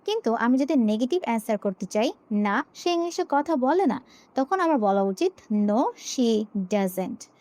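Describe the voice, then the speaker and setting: Woman teaching English grammar, slow examples. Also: sits high, expressive, darkish tone. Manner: explains step by step, says English examples slowly and repeats them; asks rhetorical questions and answers them herself. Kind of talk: spoken English lesson.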